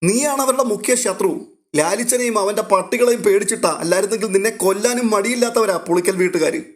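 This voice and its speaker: A man's voice: high voice, fairly quick, pitched above the performer's own voice. A man voicing an agitated, protective old grandfather who speaks bluntly and urgently in a storybook reading. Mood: agitated warning. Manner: urgent, warning tone.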